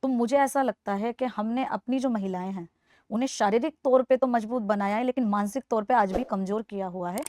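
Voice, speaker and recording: A woman's voice: a little high, a little fast, darkish tone, no echo, studio quality. A woman in her twenties from Delhi, answering a podcast interviewer in an earnest, persuasive way and repeating her points for emphasis. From Delhi, India. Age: 20s. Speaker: interview guest.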